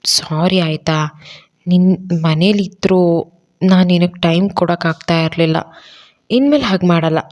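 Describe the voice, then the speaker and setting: Woman voicing a gentle, apologetic young man. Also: lowish voice, unhurried, long pauses, lightly acted. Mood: tender.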